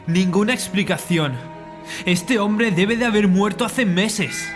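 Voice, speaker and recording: An actor playing a baffled doctor examining a corpse in a horror radio play. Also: male voice, high-pitched, slow, music in the background. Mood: baffled, alarmed. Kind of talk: horror radio theatre acting.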